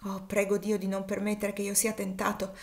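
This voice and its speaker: Woman reading as a gentle pious old Quaker. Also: medium pitch, monotone, a little fast, close to an everyday voice. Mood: solemn. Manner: gentle, sighing and solemn. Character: calm pious older Quaker man.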